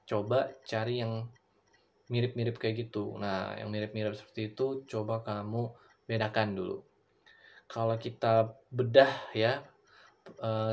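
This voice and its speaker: A young Indonesian-accented man teaching in a relaxed, conversational way. He answers students' questions one by one, mixing English and Indonesian and filling pauses with "uh" and "apa namanya". His voice sits at an ordinary middle pitch for a man. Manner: switches between English and Indonesian, many fillers. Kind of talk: casual recorded lesson answering student questions.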